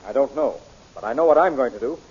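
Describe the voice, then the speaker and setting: An actor playing a brave, decisive young hero in a 1930s radio serial, on a muffled, noisy old recording. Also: male voice, mid-range voice, lively intonation, fast, a little mellow, husky. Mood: determined.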